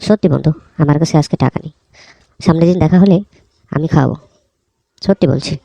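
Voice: mid-range voice, fast talker, creaky, mellow, dry recording. A performer voicing a broke, pleading cartoon friend who talks in a casual, chummy, coaxing way. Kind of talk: cartoon dialogue.

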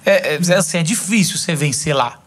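A man in his thirties from Brazil, hosting a podcast in a small studio at a boom mic, chatting casually and gesturing as he tells stories. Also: fairly quick, soft background music. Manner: animated, gesturing storyteller. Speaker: podcast host. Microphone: boom mic on desk arm.

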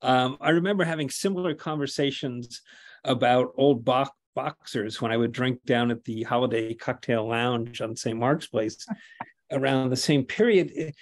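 An older man on a video call from a room at home, his voice at an ordinary middle pitch. He chats easily, winding through long questions with plenty of yeahs. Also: normal speed. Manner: chatty, asks long rambling questions, frequent affirming. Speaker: interviewer. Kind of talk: conversational interview over video call.

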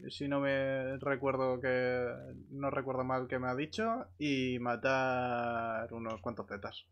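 A man's voice: mid-range voice, level tone, takes it slowly, clear, resonant tone, highs cut off. A man speaking in a hesitant, stammering way, improvising in-character chat during a roleplay game. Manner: hesitant, stammering, repeats words. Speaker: player in online roleplay group.

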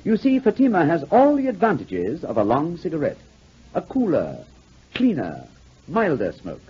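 Animated male 1940s radio announcer. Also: a little high, moderate pace, slightly rough. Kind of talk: 1940s radio advertising read. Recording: muffled, lo-fi 1949 radio recording.

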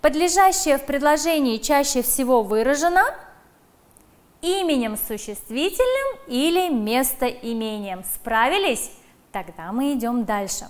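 Lively high-voiced woman teaching children. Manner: slow, emphatic dictation of words; addresses children directly. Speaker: primary school teacher. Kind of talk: televised classroom lesson.

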